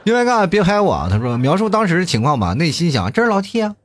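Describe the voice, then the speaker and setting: A man's voice: on the high side, huge pitch swings, quick pace, faint music behind. A middle-aged man hosting a casual chat show, reading listener messages aloud and teasing them with jokes and laughter. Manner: joking, teasing, often laughing.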